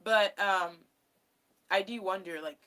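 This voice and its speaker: Livestream host: young American woman, bright edgy tone, informal and rambling, chatting with viewers. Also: medium pitch, takes it slowly, low-quality recording. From California, USA. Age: young adult. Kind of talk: casual live stream chat. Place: small decorated bedroom, indoors.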